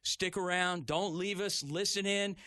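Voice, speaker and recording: A man's voice: high voice, steady tone, unhurried, pushed and bright, no echo, clean studio sound. A middle-aged man hosting a sports radio talk show, chatty and enthusiastic, with a rambling way of talking.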